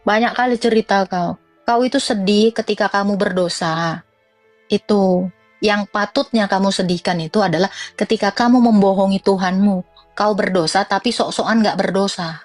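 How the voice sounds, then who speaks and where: A young woman, giving a blunt, mocking Christian commentary full of laughs and pitch swings. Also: normal speed, no echo, faint music behind. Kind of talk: informal religious commentary rant.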